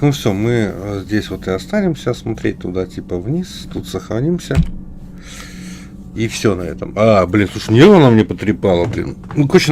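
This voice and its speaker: A man streams his gameplay and rambles casually between fillers. His voice sits fairly low. A faint noise is present behind him.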